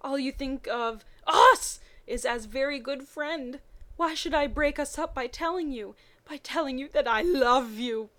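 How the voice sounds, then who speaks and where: A yearning teenage girl, put on by a woman reader, speaks in a high voice. She is earnest and pleading, playing young love as full melodrama in a fan fiction story. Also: unhurried, fairly bright tone.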